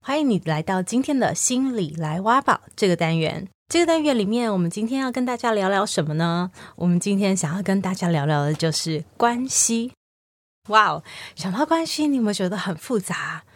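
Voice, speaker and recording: A woman, a psychologist hosting a podcast, explaining gently and asking her listeners questions. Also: mid-range voice, animated, a little fast, dry recording.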